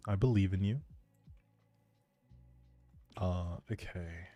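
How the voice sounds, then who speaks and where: This man's voice is lowish and mellow, recorded with no echo. He's a game streamer thinking out loud and talking easily with viewers while playing a life-simulation game live.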